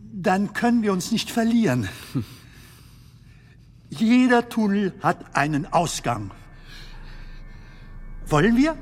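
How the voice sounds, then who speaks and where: Casting: chatty, nervous comedian in his seventies, radio drama, slow delivery with big swings in pitch. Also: darkish tone, full character voice. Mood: curious. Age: 70s. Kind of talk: radio play acting.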